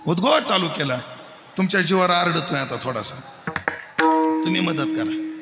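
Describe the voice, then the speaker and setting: Kirtan preacher, man, Marathi accent, high ringing voice, booming echo of a large hall with music behind. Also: wildly swooping pitch, moderate pace. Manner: jokes with the crowd, breaks into loud chanted verse. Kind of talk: devotional kirtan sermon with sung verses.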